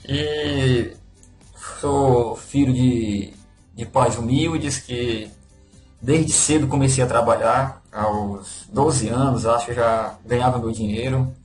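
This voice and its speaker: Speaking slowly at a medium pitch, a Fortaleza man with a Ceará accent recounts his life as an interview guest, easygoing and humble, frequently adding "né?" The room is echoey, and soft music plays faintly beneath him.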